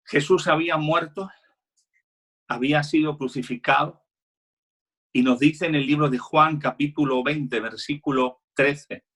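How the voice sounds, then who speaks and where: Husky-voiced male pastor preaching. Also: on the high side, a little slow, fairly bright tone. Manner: earnest preaching, retelling Bible scenes with quoted dialogue. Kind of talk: sermon.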